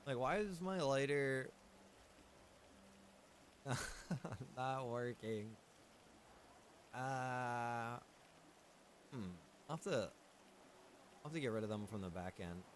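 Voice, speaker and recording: A man streaming a survival game, talking casually and thinking out loud with the odd chuckle as he plays. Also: medium pitch, lively intonation, takes it slowly, long pauses, slight background noise. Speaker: streamer and game server developer. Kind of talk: live-stream gameplay commentary.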